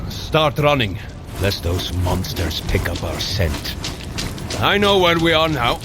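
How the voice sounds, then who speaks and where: A man's voice: medium pitch, very animated, slow pace, music in the background. An actor playing a hearty, noble, boastful male Norse god, speaking in grand archaic phrasing in a scripted audio drama. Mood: commanding, urgent.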